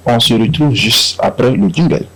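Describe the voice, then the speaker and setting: A man with a Togolese French accent hosting a TV talk show, greeting viewers and his guest in a lively, formal presenter's manner. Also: mid-range voice, moderate pace, over loud music, poor audio.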